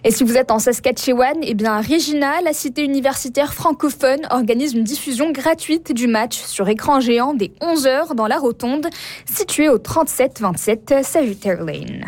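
A French Canadian newsreader with a high, clear voice delivers the bulletin in a steady, formal cadence. The studio sound is close and dry, with no room around it. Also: female voice, moderate pace, no room sound. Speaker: radio newsreader. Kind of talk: scripted news bulletin. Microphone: studio microphone.

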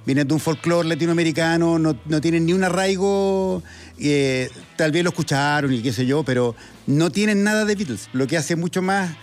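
A man's voice: on the high side, moderate pace. A Chilean man from Viña del Mar co-hosting, arguing points and sharing music trivia in casual chat. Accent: Chilean Spanish. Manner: argumentative, shares trivia. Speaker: co-host, rock commentator.

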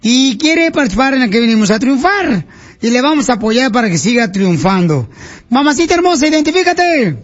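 A man's voice: extremely high pitch, sing-song, fairly quick. A man hosting a radio call-in show, playful and teasing, calling the caller sweet names. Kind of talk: joking radio call-in chat. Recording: muffled radio broadcast.

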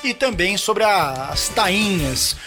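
High, bright-voiced radio host. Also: male voice, expressive, takes it slowly, faint music behind. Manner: chatty, loose, many fillers. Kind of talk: live radio talk.

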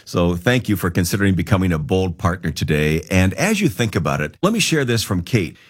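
Male radio announcer, low husky voice, lively intonation, conversational scripted promo read. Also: brisk. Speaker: radio program announcer and co-host.

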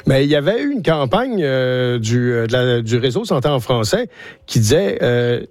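A man's voice: mid-range voice, sing-song, moderate pace, darkish tone, dry recording. A man hosting a radio interview, affirming his guest and speaking with fillers. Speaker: radio show host.

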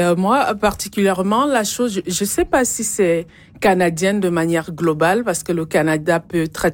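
A woman's voice: fairly low pitch, a little mellow. A woman speaking as a radio panelist, earnest and reflective.

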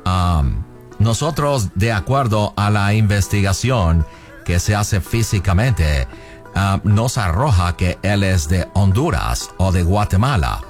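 A man playing an American police officer who speaks halting, broken Spanish with English fillers. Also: low-pitched, animated, soft background music. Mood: officious.

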